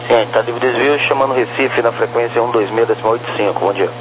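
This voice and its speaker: A man with a Brazilian accent, an air traffic controller giving brisk routine clearances over a two-way radio. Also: mid-range voice, dull audio, crowd noise.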